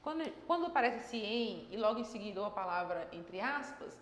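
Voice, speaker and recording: A woman with a medium-pitched, expressive voice teaches a grammar lesson for exam preparation at a slightly fast pace. She explains step by step, checks in with students using short tags, and her throat sounds slightly dry. The room is echoey with long reverb.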